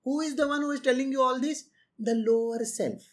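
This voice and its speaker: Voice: high-pitched, fairly quick. A speaker giving a motivational spiritual talk to an audience, joking, chuckling at their own jokes and firing off rhetorical questions. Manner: asks the listeners rhetorical questions.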